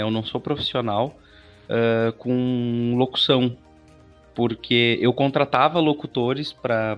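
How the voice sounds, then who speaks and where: A man's voice: mid-range voice, highs cut off. A man in his thirties giving casual interview answers as a guest, acting out his own past thoughts as he tells stories. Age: 30s. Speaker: interview guest, aspiring voice actor.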